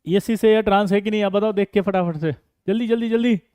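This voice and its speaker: A man teaching a lively online chemistry lesson, teasing students by name and firing off quick prompts. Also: high-pitched, clean tone, no room sound. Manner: playful, teasing students by name, rapid "jaldi batao" prompts. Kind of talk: energetic online exam-prep lesson.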